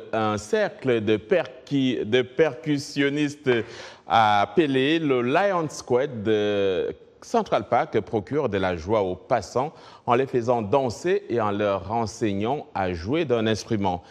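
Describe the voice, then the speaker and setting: Slow, measured male news anchor. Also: mid-range voice, lively intonation, long reverb tail. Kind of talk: news presenting. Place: TV news studio.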